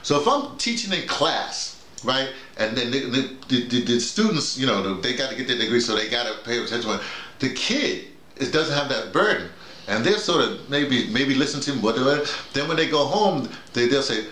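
A middle-aged or older man, a workshop leader and radio drama teacher, gives colleagues a casual explanation in a mid-range voice that's animated, bright and forceful. He's emphatic like a teacher, halting and repeating himself repeatedly, while seated in a small, echoing room with bare walls.

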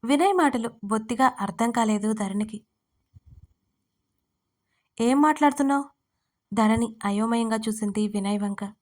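A woman's voice: on the high side, moderate pace. Woman narrating an audio story. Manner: steady storytelling, reads every character's lines.

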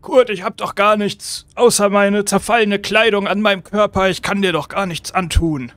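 A man voicing a decayed zombie uncle who pleads with a hoarse, strained voice, repeating the boy's name and restarting his sentences. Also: high-pitched, fairly even intonation, moderate pace, a bit bright, no echo, faint music behind. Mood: coaxing. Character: undead zombie uncle, decayed, coaxing and weary.

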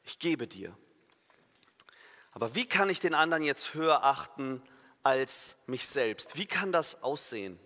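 A pastor giving a sermon, emphatic and lively, acting out imagined inner voices and now and then correcting himself mid-sentence. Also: male voice, medium pitch, a little slow. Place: church hall. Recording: long reverb of a church hall.

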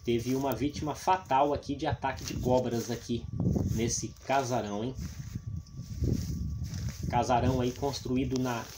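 A man's voice: medium pitch, fairly even intonation, measured pace, long pauses. A man from in Brazil, chattily narrating a casual exploration vlog to his viewers on a handheld camera. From Paraná, Brazil. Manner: chatty, addresses viewers, frequent tag questions. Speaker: vlog host. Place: abandoned roofless house and overgrown grounds. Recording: noisy handheld outdoor camera recording.

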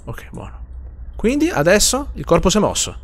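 A man's voice: high voice, wildly swooping pitch, normal speed. A man streaming a horror game, nervously muttering, repeating himself and swearing as he plays. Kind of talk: live gameplay commentary.

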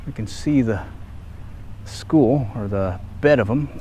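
A man talks his way through a fishing session at a pond, relaxed and half to himself as he casts. His voice sits at an ordinary middle pitch. A faint outdoor hiss from the action camera sits under the voice. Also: slow pace, poor audio. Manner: relaxed, muttering asides while casting. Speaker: angler filming his fishing. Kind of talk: casual running commentary. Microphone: head-mounted action camera.

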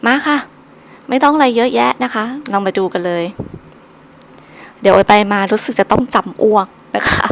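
A woman's voice: medium pitch, gravelly, a little hiss or hum. A woman teaching a solo recorded language lesson, patiently drilling each syllable three times over.

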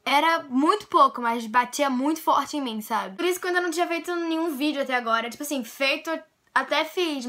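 A young woman with a Brazilian Portuguese accent talks to her camera in a casual vlog, her voice pitched high. She is playful and self-mocking, jumping from loud bursts to low mutters. Her tone is bright and ringing throughout. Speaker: YouTuber.

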